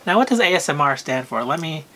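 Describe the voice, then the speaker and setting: A man talking casually to camera about luxury purchases, with a soft, soothing voice and a hesitant manner full of pauses and fillers. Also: a little high, big pitch swings, a little hiss or hum. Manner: unhurried, hesitant, full of "um" and "you know", frequent throat clearing. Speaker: luxury fashion vlogger.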